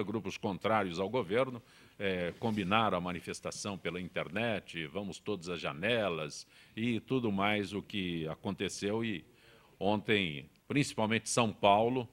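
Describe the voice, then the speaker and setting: A low-voiced man hosts a panel discussion at a studio table. He sets out the topic briskly and hands the floor to guests. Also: fairly bright tone. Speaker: host. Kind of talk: talk show moderation.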